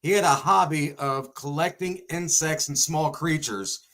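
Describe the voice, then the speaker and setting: A man's voice: fairly high pitch, a little slow, a bit bright. A man co-hosting a talk show, chatting and telling stories casually. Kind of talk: casual chat and storytelling.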